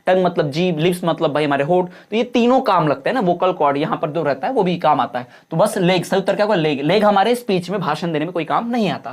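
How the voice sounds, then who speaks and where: A male teacher walks through multiple-choice exam questions. He reads each English question in a slow, deliberate way, then explains it in Hindi. He repeats every answer so it sticks. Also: sits high. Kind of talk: exam-prep lesson.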